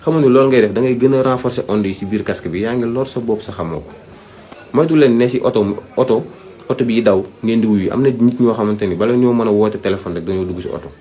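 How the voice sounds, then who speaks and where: A man's voice: lowish voice, fast talker, dark tone. A Senegalese man giving informal advice, speaking emphatically, repeating his points and addressing the listener directly. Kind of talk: informal advisory talk, Wolof mixed with French.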